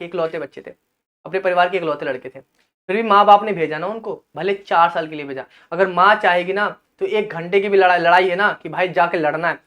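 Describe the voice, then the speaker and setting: Man, high-pitched, impassioned, explainer commentary, calls listeners brother. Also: a bit bright. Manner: slowly reads out English clauses. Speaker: educational channel presenter.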